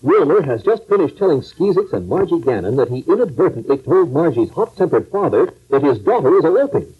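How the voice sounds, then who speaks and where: A man's voice: fairly high pitch, big pitch swings, brisk, husky, exaggerated voice. A male announcer dramatically narrating a scripted comedy serial in the old-time radio manner. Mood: amused, dramatic. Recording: tinny, narrow old radio broadcast.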